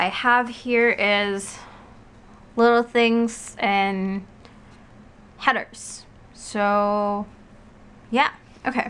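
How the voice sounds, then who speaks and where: A woman's very slow speech, broken by long, frequent pauses. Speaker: planner hobby vlogger. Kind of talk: casual vlog chat. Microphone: camera far.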